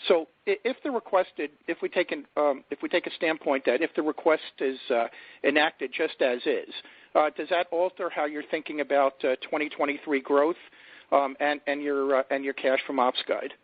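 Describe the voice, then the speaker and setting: A man, a financial analyst, asking a roundabout, halting question on an earnings call. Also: fairly high pitch, no echo. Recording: tinny, dry phone line.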